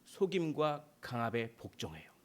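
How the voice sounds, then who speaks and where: A man's voice: mid-range voice, big pitch swings, normal speed. A male pastor preaching a sermon in a conversational way, asking rhetorical questions and acting out short dialogues.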